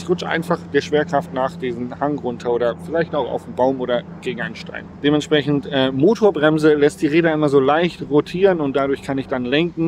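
A man in his thirties casually presenting tips to viewers, upbeat and talking with his hands, recorded outdoors on a gravel lot. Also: medium pitch, background noise. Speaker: vlogger presenting driving tips. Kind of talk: casual explanatory vlog talk. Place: outdoors on a gravel lot beside a camper van.

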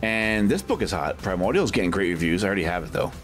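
Very animated and quick, a man with a voice that sits low shows off a crowded medium-sized shop as soft music plays. He's a video host and comic collector shooting on a handheld camera, chatting off the cuff and frequently adding questions to his remarks.

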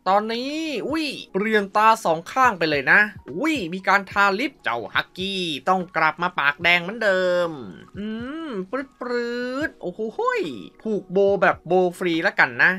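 Guy doing playful game commentary, kinda high voice, super animated, lots of oohs and little sound effects. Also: moderate pace, few pauses, faint music behind. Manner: expressive, full of exclamations and mouthed sound effects. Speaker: mobile game YouTuber and host.

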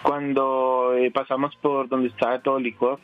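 A man's voice: mid-range voice, level tone, normal speed, faint music behind. A man from Armenia, Colombia, with a paisa accent, telling a story casually as a phone-in guest. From Armenia, Quindío, Colombia. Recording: dull, noisy remote call.

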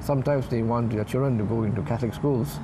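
Middle-aged male priest from Singapore, measured and earnest, church interior, noisy lapel recording. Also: mid-range voice, fairly even intonation. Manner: earnest, measured, with frequent "uh" and "yeah". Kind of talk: interview answers in English. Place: inside a large church.

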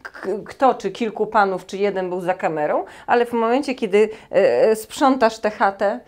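A woman's voice: mid-range voice, moderate pace, a little mellow. A middle-aged woman hosting an interview, praising her guest effusively and cutting in apologetically, in a small room on a lapel mic. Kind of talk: conversational interview. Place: small cozy room, indoors.

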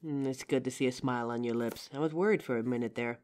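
A woman playing a caring, protective bodyguard in an intimate roleplay audio drama, with a gentle, teasing manner. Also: extremely low pitch, fast talker, a little hiss or hum. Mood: playful, tender. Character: caring, flirtatious female bodyguard, protective and loyal.

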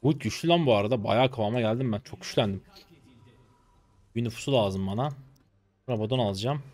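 A man in his twenties commentating his own gameplay live, excitable and swearing casually as he talks to viewers. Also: mid-range voice, brisk. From Turkey. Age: 20s. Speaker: game streamer.

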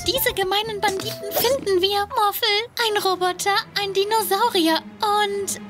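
A woman's voice: extremely high pitch, steady tone, normal speed. A woman voicing a brave little girl hero in a German children's cartoon, speaking emphatically and simply over music. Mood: determined. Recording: music behind the voice.

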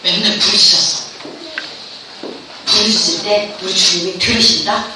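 A woman's voice: mid-range voice, fairly even intonation, normal speed. A middle-aged woman pastor preaching fervently to students, having them repeat after her. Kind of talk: sermon to students at a camp. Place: large echoey hall. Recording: echoey hall, distant mic, background noise.

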